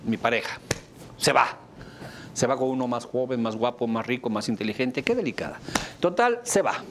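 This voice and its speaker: A man with a Mexican accent, a therapist giving a talk to a live audience, animated and theatrical, acting out examples with sudden leaps in pitch. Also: fairly quick, background noise.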